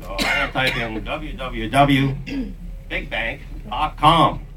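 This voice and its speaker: A man's voice: mid-range voice, slow, crowd noise. A man informally narrating and explaining a live demonstration as its presenter. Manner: informal, narrates own actions. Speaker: session presenter acting out a bank customer. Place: small conference meeting room. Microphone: handheld mic, filmed from audience. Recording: distant, noisy conference room recording.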